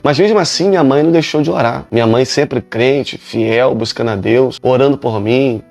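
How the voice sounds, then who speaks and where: A male pastor from Rio de Janeiro, Brazil, preaches his personal testimony, recounting his own conversion emphatically and with many repetitions. His mid-range voice is gravelly and darkish at a moderate pace, with soft music playing in the background.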